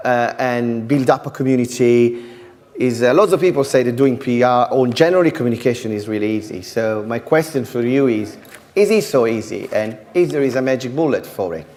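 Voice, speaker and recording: A man's voice: mid-range voice, a little mellow. Italian guy hosting a panel, stumbles and restarts a lot, long hall reverb. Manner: halting, many restarts. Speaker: panel moderator. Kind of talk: hesitant conference panel moderation. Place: conference stage.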